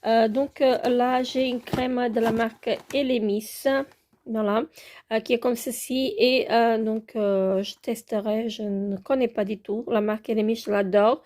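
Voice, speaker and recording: A beauty vlogger speaking with a French accent casually presents her skincare products, moving around as she handles them. Her voice is fairly high, steady, a little slow, and a little mellow. She sounds hesitant and uses plenty of filler sounds.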